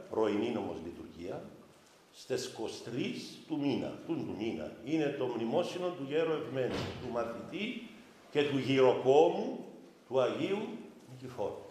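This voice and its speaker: A man with a Cypriot Greek accent, a bishop giving a sermon in a slow, storytelling manner. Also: mid-range voice, a little mellow, slight background noise. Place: chapel during a vigil service. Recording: echoey chapel reverb with faint ambience.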